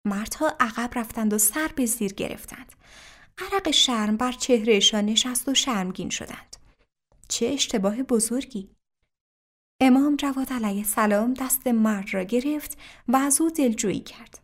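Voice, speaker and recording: A woman narrating a religious story in an even, careful reading voice. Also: fairly high pitch.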